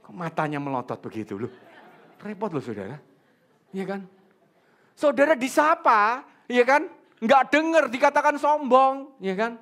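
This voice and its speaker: A man preaching in a church with a fairly high, highly animated voice that swings up and down. He asks the congregation questions and drops jokes as he goes. He talks to the room in a lively sermon style. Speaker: pastor.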